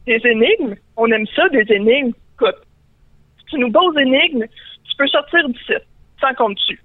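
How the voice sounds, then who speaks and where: A woman's voice: lively intonation, moderate pace, dry recording. Woman doing a Gollum-like conspiracy cave creature. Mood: menacing. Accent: Quebec French. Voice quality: hacking cough, high and croaking on its catchword. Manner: threatening, slangy, suspicious. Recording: tinny phone line.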